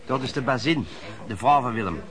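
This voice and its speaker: An actor in a Dutch radio play voicing a knowing, streetwise veteran lodger, talking in a wry, confiding, colloquial way. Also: male voice, mid-range voice, lively intonation, brisk, a crowd in the background, close to an everyday voice. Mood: wry, amused.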